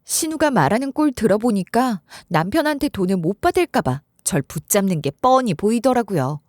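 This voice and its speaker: Lively, animated woman story narrator. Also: medium pitch, brisk, no room sound, clean studio sound. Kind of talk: scripted first-person story narration.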